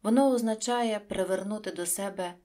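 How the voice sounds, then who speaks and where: A woman's voice: mid-range voice, moderate pace, natural voice. Woman voicing a wise, patient fox. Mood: calm explaining. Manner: calm, explaining, knowing tone. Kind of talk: audiobook reading.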